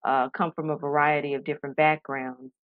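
A woman's voice: low-pitched, little pitch movement, a little fast, dry recording. A middle-aged woman from Tennessee giving conversational answers as a podcast guest. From Chattanooga, Tennessee, United States. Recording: dull lo-fi dry remote recording.

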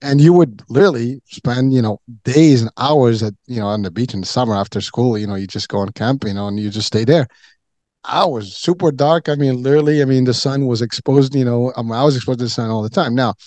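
A man's voice: medium pitch, darkish tone, no echo. Rambling middle-aged man from Morocco. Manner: rambling, many fillers and restarts. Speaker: podcast guest. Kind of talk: casual chat.

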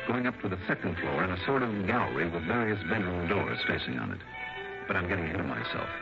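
An actor playing a laconic male insurance investigator who narrates his own case in a 1960s radio drama. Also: low voice. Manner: dry, laconic first-person narration. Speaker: narrator and lead. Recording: dull lo-fi old radio broadcast with music.

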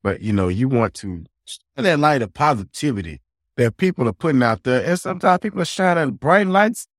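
Animated male co-host, hype-man energy, dry close sound. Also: medium pitch, fairly quick, no echo. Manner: affirming, preachy hype-man interjections. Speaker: podcast co-host. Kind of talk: casual podcast chat.

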